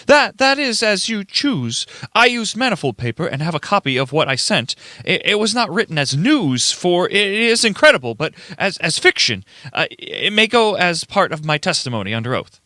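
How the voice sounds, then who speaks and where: Radio play role: nervous young city reporter performed by a man, earnest and apologetic, stammering, bright-edged, close dry sound. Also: high voice, sing-song, normal speed, few pauses, no room sound, voice pushed up, heavily acted. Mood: nervous, defensive. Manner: stammering, repeats words. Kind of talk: amateur radio play reading.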